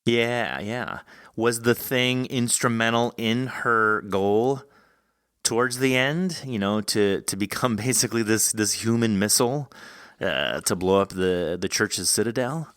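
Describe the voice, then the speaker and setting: Male interviewer, forward bright tone, close dry sound, enthusiastic, casual discussion style. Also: fairly low pitch, unhurried, clear, resonant tone, no echo. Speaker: podcast host interviewing an author. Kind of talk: casual discussion of a horror story.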